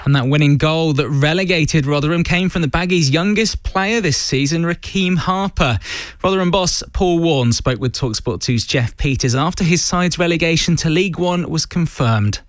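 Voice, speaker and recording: A man's voice: on the high side, normal speed, no echo. A British man presenting live sport on the radio from a studio, with an emphatic broadcast delivery. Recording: music behind the voice. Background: music.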